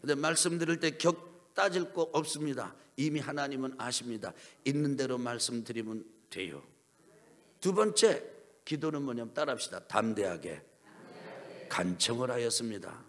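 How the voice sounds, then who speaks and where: A man's voice: medium pitch, animated, normal speed, a bit bright. A middle-aged male pastor preaching a sermon, acting out dialogue and leading the congregation in call-and-response.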